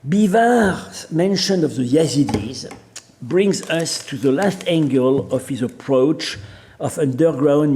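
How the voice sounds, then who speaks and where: A man with a French accent giving an academic seminar lecture, reading quotations and pausing often with fillers and restarts. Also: mid-range voice, dark tone. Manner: measured, hesitant with fillers and restarts.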